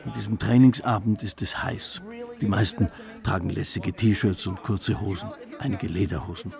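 Male reporter, scripted narration, low gravelly voice, folk music underneath. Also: fairly even intonation, moderate pace, a crowd in the background.

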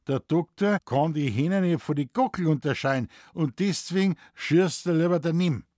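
A man voicing a sly, gruff old forest warden who speaks in broad Bavarian dialect, drawling and mischievous. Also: a little high, moderate pace, a little mellow, dry recording, clean studio sound, voice pushed up, natural voice. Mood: dry.

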